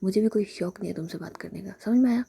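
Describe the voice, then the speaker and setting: A woman's voice: medium pitch, moderate pace, dark tone. A woman voicing a bossy, pleading young female office boss in a whispered role-play story. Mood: angry. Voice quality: breathy whisper.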